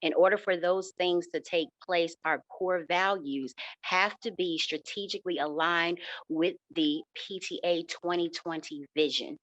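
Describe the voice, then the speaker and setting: A woman answering candidate questions in a formal, measured way, repeating set phrases. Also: fairly low pitch, fairly even intonation, fairly bright tone, dry recording, low-quality recording. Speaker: board candidate.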